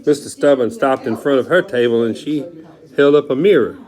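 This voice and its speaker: A man's voice: medium pitch, a little fast, dark tone. A man reading a children's book dramatically, in a folksy, theatrical way with chatty asides. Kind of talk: animated dramatic read-aloud.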